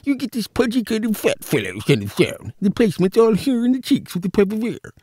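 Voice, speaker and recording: A man acts out a pudgy cartoon fat fellow. The voice sits high and puffy in the cheeks, with air pushed into the words. The sound is close and dry. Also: huge pitch swings, a little fast, darkish tone, husky, dry recording, full character voice. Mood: jolly demonstration.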